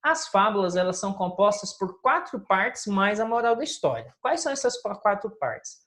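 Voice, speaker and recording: A woman's voice: medium pitch, very animated, normal speed, a bit bright. A woman teacher, reviewing a recorded lesson and explaining with questions to her pupils. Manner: explanatory, asks the listeners questions.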